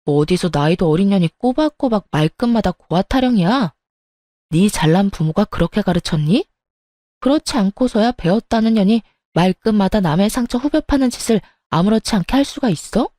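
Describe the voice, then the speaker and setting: A woman's voice: animated, brisk, mellow, no room sound, clean studio sound, lightly acted. A woman voicing a rude, spiteful young sister-in-law who curses and sneers in a dramatized story reading. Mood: venomous. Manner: shrill, cursing, contemptuous.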